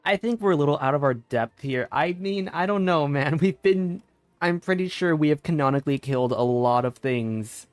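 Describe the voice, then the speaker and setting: A woman's voice: low voice, expressive, moderate pace, a little mellow, no echo. A young woman giving casual live commentary as a game streamer.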